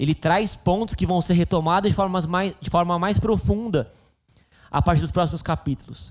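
A man is talking here. His voice sits high, and its pitch varies in an ordinary way. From Brazil, São Paulo city. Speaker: pastor. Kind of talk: sermon. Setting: church service in a hotel venue.

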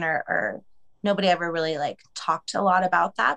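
A woman with an American accent talks at a fairly quick pace. She has an ordinary speaking voice with a medium pitch. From US, Pennsylvania and Colorado. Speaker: tarot and mythology practitioner. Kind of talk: casual interview.

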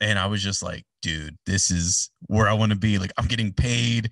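Against a quiet background, a man with an American accent talks at a moderate pace in a bright, sharp tone, the sound dry and close with no echo. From Texas. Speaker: sports announcer. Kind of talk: casual interview chat. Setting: video call. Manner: animated.

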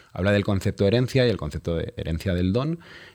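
A man's very deep, low voice carries a dark, mellow tone with ordinary pitch variation. The recording is very clean, with a silent background. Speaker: magazine editor and author. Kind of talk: interview.

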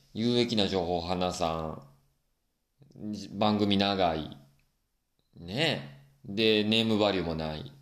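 Over audible room echo, a man with a Kansai accent talks in a relaxed tone at a very slow pace, his fairly low voice showing ordinary pitch variation and long, frequent pauses. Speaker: podcast host. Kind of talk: casual monologue. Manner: halting, many fillers; relaxed, rambling.

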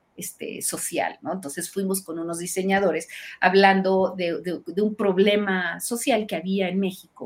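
The speaker has an animated tone and talks at a fairly slow pace. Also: woman, medium pitch for a woman. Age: 50s. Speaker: designer and entrepreneur mentor. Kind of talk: interview conversation. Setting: video call.

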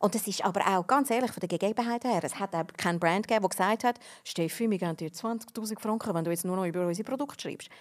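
A woman talks at a very fast pace. She leaves hardly any pauses. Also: medium pitch for a woman, ordinary pitch variation. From California, then Zurich from age 12. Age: 40s. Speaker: beauty blogger. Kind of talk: casual interview chat.

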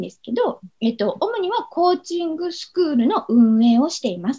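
With very wide pitch swings, a woman talks at a moderate pace. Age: 40s. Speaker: parenting coach, former nurse. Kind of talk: interview. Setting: online call.

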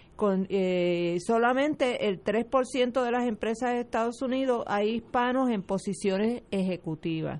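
Speaking at a fairly slow pace, a woman has an ordinary speaking voice with fairly high pitch. Her pitch variation is ordinary. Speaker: political panelist. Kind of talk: political panel discussion.

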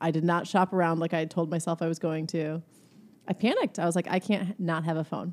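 With an American accent, a woman talks very fast in a fairly low, monotone, flat delivery. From Chicago, US Midwest. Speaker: therapist, podcast co-host. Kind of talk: casual chat. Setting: studio, upgraded recording setup. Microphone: new mic with windscreen.

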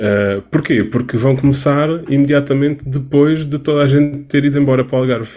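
A man speaks with hardly any pauses in a normal speaking voice. His pitch is fairly high and his pace fairly quick, with fairly even intonation. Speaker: podcast host. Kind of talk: casual chat.

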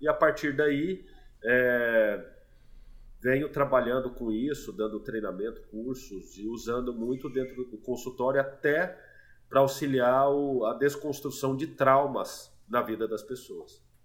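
With a plain, everyday voice, a man speaks at a fairly slow pace and a medium pitch. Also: fairly even intonation. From Brazil, Goiás (Goiânia). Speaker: enneagram teacher and therapist. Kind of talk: podcast interview explaining personality types.

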